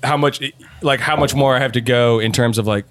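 A man's voice: mid-range voice, steady tone, brisk. A man hosting a casual improv comedy chat with friends, interjecting, repeating himself and swearing freely. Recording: crowd chatter behind.

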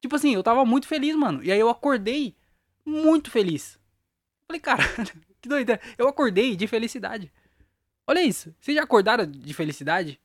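A man's voice: very high voice, sing-song, fast, no echo, studio quality. Young man rambling about a dream. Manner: rambling, slangy, laughs at himself. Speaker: podcast host. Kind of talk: casual solo podcast storytelling.

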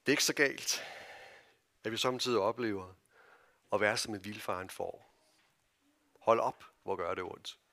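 A man with a Danish accent preaching a sermon in a church, earnest and halting, with many fillers, his voice dropping to near-whispers and rising to loud calls. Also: lowish voice. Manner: earnest, wide swings from loud calls to soft hushed phrases. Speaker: pastor.

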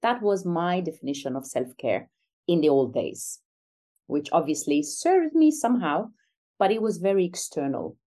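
A woman's voice: on the low side, very animated, moderate pace, mellow. A middle-aged woman from Algeria speaking as an interview guest, reflective and conversational, earnest and emphatic about her work as a coach.

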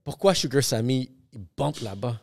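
Animated podcast host. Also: male voice, medium pitch, normal speed, gravelly. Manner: animated, fillers like "comme, yo", thinks aloud. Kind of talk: casual podcast chat.

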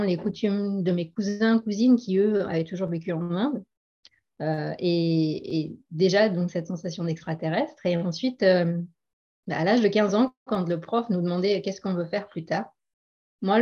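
A woman's voice: fairly low pitch, warm tone. A middle-aged woman speaking as a guest in a casual interview, earnest and hesitant, with frequent laughs. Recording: dull lo-fi audio.

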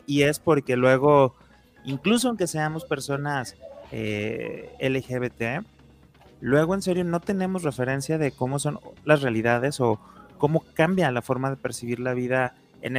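A man from Mexico hosts a radio interview in a loose, chatty way. He fills his questions with hesitations and restarts, and soft music plays faintly underneath. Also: medium pitch, animated, moderate pace. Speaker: podcast host.

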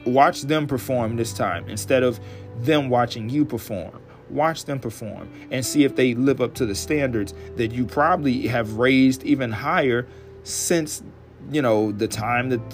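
A male podcast host talking alone in a casual, chatty way, blunt and profane, his voice hoarse and raspy from a dry throat. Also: mid-range voice, moderate pace, soft background music. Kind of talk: casual solo podcast monologue.

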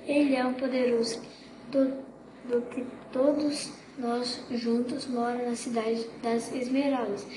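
A woman's voice: fairly high pitch, flat delivery, lightly acted. Woman reading as a kindly old good witch. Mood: gentle. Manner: soft, halting reading with small slips. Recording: echoey room with background noise.

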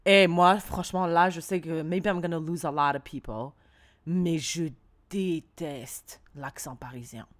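A woman co-hosting a casual chat, emphatic and expressive, mixing English phrases into her talk. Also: low-pitched, measured pace. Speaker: podcast co-host.

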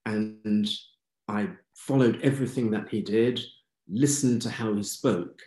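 A man in his sixties with a well-spoken English accent, recounting his life story as an interview guest in a measured, candid way. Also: lowish voice, warm tone, reverberant. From England. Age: 60s. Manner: measured, candid, matter-of-fact. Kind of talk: reflective life-story telling.

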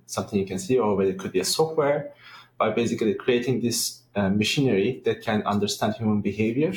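Turkish-accented man in his thirties, low voice, measured, echoey room with faint hiss. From Turkey. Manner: measured, searching for words. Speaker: AI researcher. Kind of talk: interview guest, explaining.

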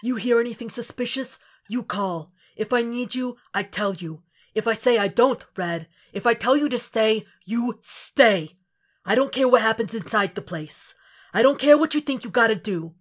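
A woman voicing a gruff, foul-mouthed male ex-Marine who is protective and angry, speaking in commanding, insistent bursts. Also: medium pitch, normal speed, lightly acted. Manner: cursing, commanding, rising insistence.

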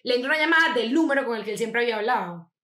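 A young Venezuelan woman telling a wild family story in fast, slangy casual chat, acting out the people she quotes. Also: on the high side. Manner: fast, slangy, animated retelling with acted quotes. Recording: echoey room.

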